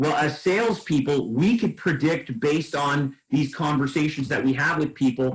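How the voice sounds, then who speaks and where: A man with a somewhat breathy, fairly high voice speaks at a moderate pace with very even loudness and hardly any pauses. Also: ordinary pitch variation. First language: French. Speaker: sales trainer. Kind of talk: training workshop. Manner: animated.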